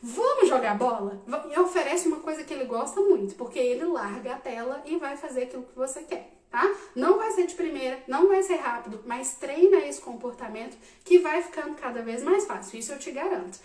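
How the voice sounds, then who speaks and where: A woman in her thirties, a psychologist giving animated casual advice to parents, often checking in with "tá?". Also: high-pitched, a little fast, few pauses. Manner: animated, addresses listeners directly with frequent "tá?". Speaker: psychologist answering parents' questions. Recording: roomy echo, mic at a distance.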